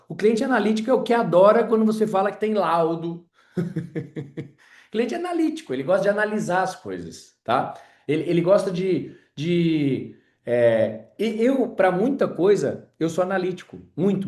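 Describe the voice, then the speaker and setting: A man's voice: high voice, a little mellow, reverberant. A man teaching an informal sales class, chatty and full of personal stories, talking straight to his audience. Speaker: sales trainer.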